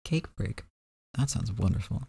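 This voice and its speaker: Man, low pitch, relaxed, visual novel reader. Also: a little slow, gravelly, breathy edge. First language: Dutch. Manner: relaxed, chatty asides. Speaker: let's play host. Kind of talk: reading a visual novel aloud.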